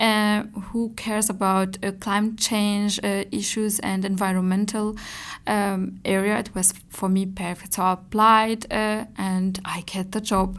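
Someone with a Syrian accent speaks in a monotone, flat intonation. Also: woman, medium pitch for a woman, fairly slow pace. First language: Arabic. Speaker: environmental engineer. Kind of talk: interview. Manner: halting, many fillers.

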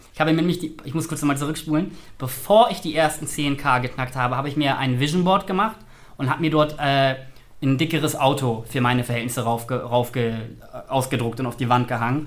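A man with a plain, everyday voice, fairly high pitched, with ordinary pitch variation. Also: fairly quick pace. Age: 30s. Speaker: social media agency owner. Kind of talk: casual interview. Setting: office studio with camera.

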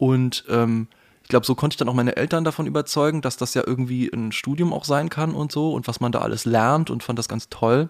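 The speech moves at a fairly quick pace with ordinary pitch variation in a very clean recording with a silent background. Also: man. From Palatinate, Germany (French father). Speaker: actor and voice actor. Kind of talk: casual interview chat. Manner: lively, cheerful.

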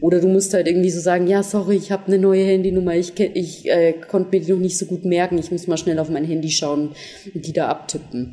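Intonation here is fairly even. The pace is very fast. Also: woman, fairly low pitch for a woman. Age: 20s. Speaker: podcast co-host. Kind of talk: casual chat.

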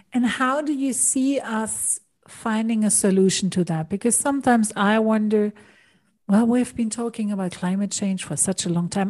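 Against a quiet background, a woman talks at a moderate pace in a medium pitch, her dark, mellow tone somewhat breathy, with ordinary pitch variation. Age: 50s. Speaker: podcast host, business coach. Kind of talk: interview.

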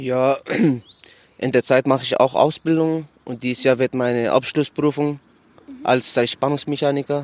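In an Arabic accent, a man speaks slowly with flat, monotone intonation and long, frequent pauses, the sound dry and close with no echo. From Syria. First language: Arabic (speaking German). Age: 20s. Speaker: refugee and trainee electrician. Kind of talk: interview. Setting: outdoors on a park bench. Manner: halting.

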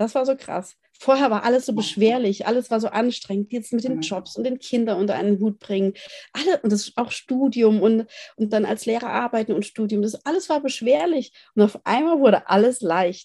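This woman has a fairly high pitch, ordinary pitch variation and a dark, mellow tone. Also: moderate pace. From Germany, raised partly in eastern Germany. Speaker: entrepreneur, museum founder. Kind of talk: casual interview chat. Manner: hesitant with many fillers.

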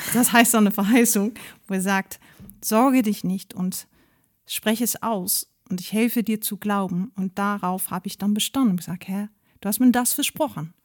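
Somewhat breathy speech at a moderate pace has fairly even intonation, a dry, close sound with no echo, and a very clean recording with a silent background. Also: woman, medium pitch for a woman. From Netherlands. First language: Dutch (speaking German). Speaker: musician. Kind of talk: interview conversation.

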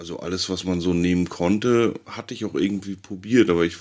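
The recording is very clean, its background silent. A man's very deep, low voice moves at a moderate pace with fairly even intonation. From northern Germany, Lübeck area. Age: 30s. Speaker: DJ. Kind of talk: casual chat.

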